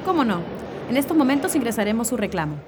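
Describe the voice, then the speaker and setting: A polite but unbending female airline agent acted by a woman speaks fast in a fairly high voice. Her courtesy is formal and scripted, with noise behind her. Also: big pitch swings. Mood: polite, unyielding. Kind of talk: acted dialogue in a public-service spot.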